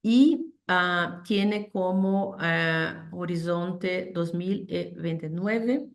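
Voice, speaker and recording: A woman's voice: lowish voice, vocal fry. A woman giving a panel presentation over a video call, speaking Spanish as a second language, hesitant with many fillers and restarts. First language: not Spanish. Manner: hesitant, many fillers and restarts, code-switches English terms.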